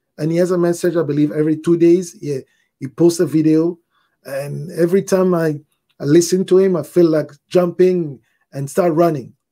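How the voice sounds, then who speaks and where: This man has a French accent and a high pitch. His tone is dark and mellow, and his intonation stays fairly even. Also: moderate pace. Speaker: video production tutor and live stream host. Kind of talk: live stream tutorial closing chat. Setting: live stream. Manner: halting, with fillers and restarts.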